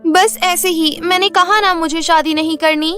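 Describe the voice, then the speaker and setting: Lady doing young princess, meek n earnest, really high voice, cartoon story w music. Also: fairly even intonation, normal speed, fairly bright tone. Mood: reluctant. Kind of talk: Hindi cartoon story dubbing. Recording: music bed behind the voice.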